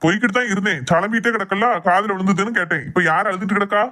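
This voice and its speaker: A woman's voice: medium pitch, racing, sharp tone, lightly acted. A woman playing an exasperated middle-aged husband, grumbling and sarcastic. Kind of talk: comic family skit.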